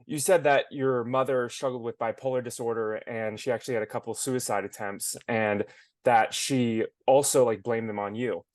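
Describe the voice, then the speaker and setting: Guy asking gentle curious questions, kinda hesitant, dry close mic. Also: mid-range voice, fairly even intonation, moderate pace, no echo. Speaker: podcast co-host. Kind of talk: interview questions.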